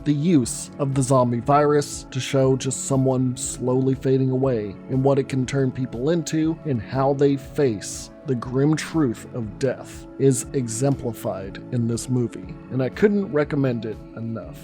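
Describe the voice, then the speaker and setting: A man narrates his film review in a hoarse, raspy voice worn down by illness. His tone is dark and mellow, earnest and reflective. Soft music plays faintly beneath him. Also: mid-range voice, a little slow, hardly any pauses. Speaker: film reviewer and channel host.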